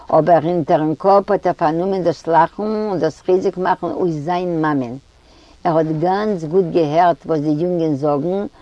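A woman from Eastern Europe reading a novel aloud in a measured, even storytelling manner. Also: deep voice, no room sound. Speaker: audiobook reader. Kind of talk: storybook narration. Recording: dull lo-fi audio.

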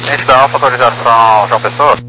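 A man's voice: medium pitch, fairly even intonation, quick pace. A Brazilian man speaking as an airline pilot in clipped radio phraseology over a crackly, military-sounding aviation radio. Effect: crackly aviation radio transmission. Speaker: airline pilot radioing air traffic control. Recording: noisy, humming air-band radio transmission.

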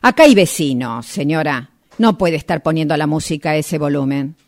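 A woman playing a firm, scolding letting agent in an amateur radio play, brisk and insistent, often repeating herself. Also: low voice, gravelly. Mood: stern, scolding.

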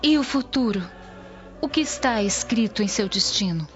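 A woman's voice: fairly high pitch, animated, moderate pace, natural voice. An actress playing a grieving, devout young Christian woman in a Brazilian radio drama, earnest and formal as she questions and pleads. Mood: sorrowful, questioning. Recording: dull lo-fi audio under music. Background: music.

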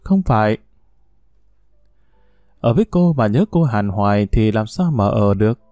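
Storybook: man plays a stern middle-aged aunt, teasing yet firm, dark-toned. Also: on the low side, animated, unhurried, dry recording.

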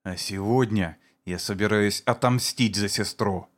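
A man voicing a vengeful man who sneers at and shouts accusations against his brother-in-law. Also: lowish voice, unhurried, close to an everyday voice. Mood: furious.

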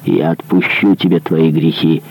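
A man voicing a stern, vengeful monk who presses a dying man with hushed, menacing demands. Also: rumbling low, level tone, moderate pace, slight background noise, poor audio. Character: stern, vengeful male monk, cold and relentless.

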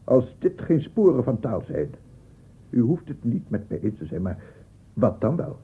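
An actor playing a tormented, easily offended old man in a radio drama, brooding and halting in his speech. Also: mid-range voice, big pitch swings. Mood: indignant, wounded. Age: older. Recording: dull, noisy old radio play recording.

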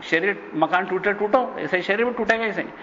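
Man lecturing in a reverberant hall. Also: fairly quick. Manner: animated storyteller, voices quoted speech with pitch jumps. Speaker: spiritual teacher. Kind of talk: spiritual lecture with storytelling. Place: ashram hall. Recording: dull lo-fi recording with long reverb and faint noise.

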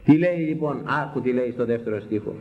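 An older man preaching a sermon, impassioned, often rising to loud rhetorical cries, recorded in a church hall. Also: mid-range voice. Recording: muffled distant recording with faint ambience.

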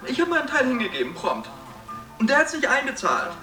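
A man's voice: very high voice, wildly swooping pitch, fairly quick, distant mic, exaggerated voice. A man acting a flamboyant, self-pitying, broke gay man in a radio play, agitated and plaintive. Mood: bitter, agitated. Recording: echoey room, off the mic, music behind.

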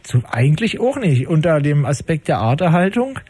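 A man hosts a late-night call-in radio show from his studio, needling his callers with dry, ironic jokes. His voice has a mellow, darker tone. It sits a little higher than most men's. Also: sing-song, moderate pace, husky.

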